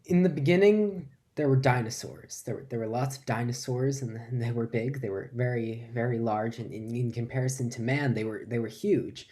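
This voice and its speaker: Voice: medium pitch, moderate pace, few pauses, dark tone, natural voice. A performer playing a flustered, forgetful lecturer who stammers and repeats words through a comic stage monologue. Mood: hesitant, earnest.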